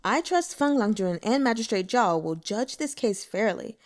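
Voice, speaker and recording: Indignant male broker, acted by a woman, high voice, formal, self-justifying, protesting, audiobook dialogue, animated intonation. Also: normal speed, close to an everyday voice. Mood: polite. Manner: protesting, formal, stammers when flustered.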